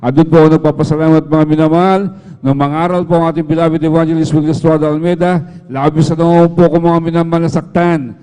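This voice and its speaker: Fast-talking Filipino man giving church testimony. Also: a little high, flat delivery, warm tone, clean tone, big-room sound. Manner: addresses listeners constantly as "beloved" between phrases. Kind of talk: spoken testimony at a prayer service.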